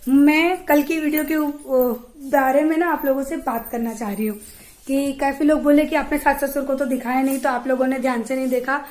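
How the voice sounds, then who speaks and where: A young woman vlogging from her home, chatting to camera and telling stories in a lively way. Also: high-pitched, roomy sound. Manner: chatty, animated storytelling. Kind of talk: casual chat to camera. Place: at home, indoors.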